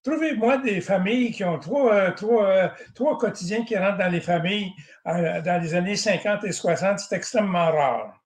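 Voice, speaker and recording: A man, a guest recalling his past at length and often clearing his throat. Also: sits high, normal speed. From Northern Ontario, Canada. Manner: frequent throat-clearing, digressive. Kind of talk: rambling personal recollection. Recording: roomy echoey sound.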